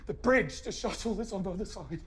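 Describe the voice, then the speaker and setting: A man's voice: high-pitched, brisk, close to an everyday voice. An actor playing a frantic male crew member who snaps accusations in a film. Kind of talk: film acting.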